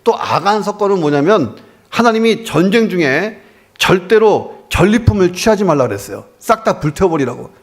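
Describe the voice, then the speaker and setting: A male pastor delivers a sermon in an animated, storytelling way. His voice sits a little high and swings widely in pitch as he acts out the people he quotes. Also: normal speed. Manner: lively storytelling preacher, acting out quoted voices.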